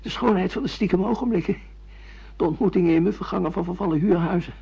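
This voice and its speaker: A middle-aged amnesiac, bewildered and sardonic, with a theatrical turn of phrase. The voice is fairly high for a man and very husky, with rough creak. It sounds like a radio play on a dull, lo-fi recording. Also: quick pace, warm tone, exaggerated voice. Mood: sardonic, declamatory. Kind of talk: Dutch radio play acting.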